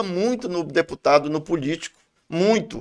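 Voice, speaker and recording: The man's pitch is high, with ordinary variation, and his pace is moderate. The sound is dry and close, with no echo. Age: 60s. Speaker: military police sergeant and political candidate. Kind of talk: closing statement. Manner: halting.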